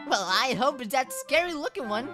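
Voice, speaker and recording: A woman's voice: high voice, animated, normal speed. A woman playing a cheeky, thrill-seeking young twin in an audio drama, with a playful, teasing way of talking. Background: loud music.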